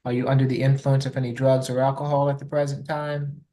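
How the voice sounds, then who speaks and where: A man's voice: mid-range voice, level tone, quick pace, mellow. A man speaking as a judge, putting formal plea questions in a polite, procedural courtroom manner.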